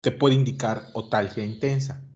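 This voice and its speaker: A man's voice: mid-range voice, fairly even intonation, moderate pace, darkish tone, lo-fi sound. A man giving an interactive medical lecture, quizzing his students and often calling them young people. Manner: questions students, addresses them as "jóvenes".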